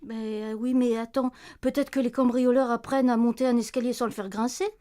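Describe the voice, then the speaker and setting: Woman playing a fretful, insistent high-voiced wife. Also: fairly even intonation, fairly quick, warm tone, natural voice. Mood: fretful, nagging. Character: anxious, insistent wife, worried, sharp-tongued. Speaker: anxious wife hearing a baby at night. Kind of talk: radio play acting.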